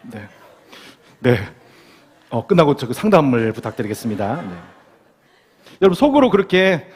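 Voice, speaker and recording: A man's voice: medium pitch, a little mellow, in a large hall. A man, a pastor, delivering a sermon to his congregation in a church sanctuary, playfully asking them questions as he goes.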